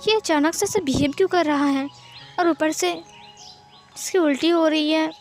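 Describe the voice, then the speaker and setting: A woman's voice: high voice, normal speed, soft background music, lightly acted. A woman voicing a caring but bossy young husband who questions firmly and insists. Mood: worried.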